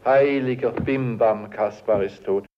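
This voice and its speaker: A man's voice: mid-range voice, a little slow, muffled recording, natural voice. A man reciting as a solemn lamenting poet. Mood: mournful. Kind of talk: poetry recitation.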